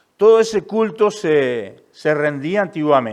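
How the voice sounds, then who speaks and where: The man's pitch swings very widely as he talks. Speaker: lay preacher. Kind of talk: sermon. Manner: hesitant with fillers.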